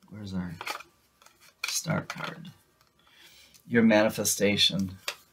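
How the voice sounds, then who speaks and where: Speaking at a very slow pace, a man keeps a fairly low pitch. His intonation is lively. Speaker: tarot reader. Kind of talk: tarot reading. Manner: animated.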